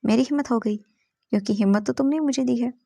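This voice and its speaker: A woman voicing a cheeky, brash young man who teases and mocks with quick retorts. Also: on the high side, gravelly, dark tone, no room sound. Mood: teasing, brash. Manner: playful, mocking, quick retorts.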